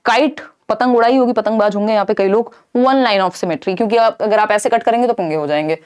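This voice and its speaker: A woman's voice: mid-range voice, brisk, darkish tone, smooth. A young Indian woman giving an exam-prep lecture, explaining in Hindi with English terms and answering her own questions. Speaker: teacher.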